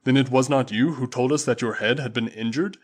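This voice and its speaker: A man's voice: medium pitch, a little fast, close to an everyday voice. A male audiobook reader voicing a proud, loyal tribal warrior who speaks emphatically and respectfully to his master. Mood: earnest. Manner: emphatic, earnest, deferential. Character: proud loyal African tribesman, warrior servant.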